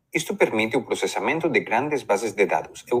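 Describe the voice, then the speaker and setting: In a Spanish accent, a man talks at a fairly quick pace. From Barcelona, Spain. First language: Spanish (speaking Portuguese). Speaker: data scientist. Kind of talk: software demo. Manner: halting.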